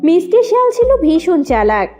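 Woman narrator, children's storytelling, animated intonation, gentle dark timbre, light background music. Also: extremely high pitch, normal speed.

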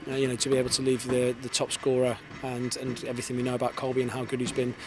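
A man in his thirties, a football head coach, giving an earnest post-match interview outdoors on a floodlit pitch into a handheld mic, often repeating words as he starts a sentence. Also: monotone, quick pace. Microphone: handheld reporter's mic held in front. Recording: outdoor stadium noise behind.

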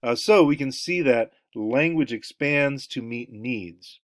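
A man's voice: medium pitch, takes it slowly, no echo, clean studio sound. A middle-aged man giving a recorded anthropology lecture over slides from home, talking in a rambling way with many ums and uhs. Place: home room, indoors.

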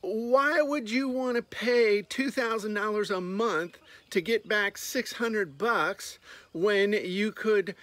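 A man's voice: high voice, slow pace, a bit bright, dry recording. A man in his fifties, a business coach, talking bluntly and sarcastically to a phone held at arm's length while walking outdoors on a farmyard. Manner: blunt, sarcastic, jokey outbursts. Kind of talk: casual talking-head vlog.

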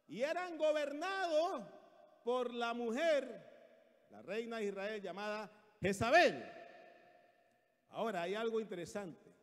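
Animated preacher in a reverberant church hall. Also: male voice, very high voice. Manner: animated, dramatic, acts out quotes, calls for amens. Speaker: pastor. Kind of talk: sermon. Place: large church sanctuary.

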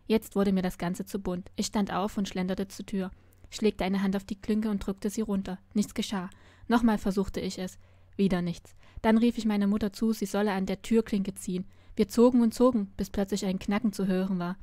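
Woman reader, expressive first-person narration, mellow dry voice. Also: medium pitch, no room sound. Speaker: story reader. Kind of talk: reading a novel aloud.

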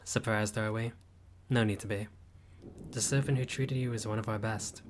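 A man's voice: steady tone, normal speed, noisy background, lightly acted. A man voicing a friendly, laid-back male vampire host with dry teasing humor in a roleplay audio. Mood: wry. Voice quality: low voice, dry teasing humor, grandly theatrical at times.

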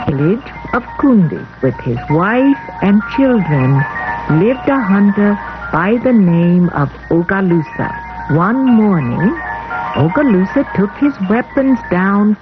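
A woman playing a mother who tells her children an old folktale in measured, deliberate storytelling, on a muffled old film soundtrack. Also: mid-range voice. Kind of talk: scripted folktale narration. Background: music.

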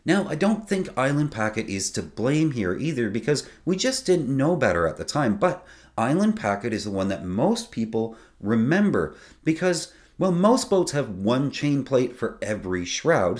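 A man's voice: mid-range voice, moderate pace. A man in his forties hosting a sailing channel, explaining boat technicalities to camera in a casual, conversational way from a small home studio. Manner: lively, conversational, explains technical detail plainly.

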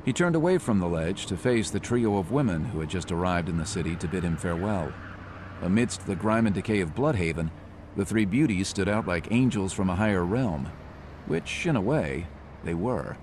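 A man narrating a motion comic in a measured, descriptive manner. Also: low-pitched, animated, a little mellow, a little hiss or hum. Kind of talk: scripted narration. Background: music.

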